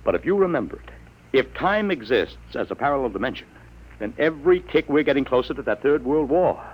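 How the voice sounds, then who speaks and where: A man's voice: medium pitch, lively intonation, a little fast, muffled recording, natural voice. An actor playing an earnest, cautious middle-aged father in a 1950s radio drama, with a hesitant, questioning way of talking. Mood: anxious, doubtful.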